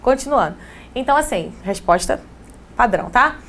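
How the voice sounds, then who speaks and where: Woman teacher, relaxed exam-prep lesson, talks to students directly, slightly high pitch. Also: moderate pace, a little hiss or hum. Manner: casual, chatty teacher who addresses students directly. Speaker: English teacher.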